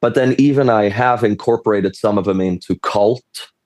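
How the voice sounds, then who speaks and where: Male panelist, low-pitched, rambling and chatty, dry close sound. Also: normal speed, a little mellow, no room sound. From Switzerland. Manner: rambling, self-interrupting, laughs often. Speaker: panelist, game designer. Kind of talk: casual panel discussion.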